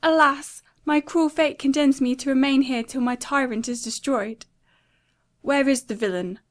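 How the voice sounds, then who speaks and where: A woman's voice: high voice, moderate pace, pitched above the performer's own voice, close to an everyday voice. A woman voicing Kate, a young woman telling a romance in a theatrical, swooning manner. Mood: melodramatic.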